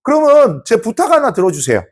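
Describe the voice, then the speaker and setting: A man's voice: extremely high pitch, huge pitch swings, fairly quick, pitched above the performer's own voice, heavily acted. A man doing an eager, polite young woman. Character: cheerful young adult woman, former student, polite.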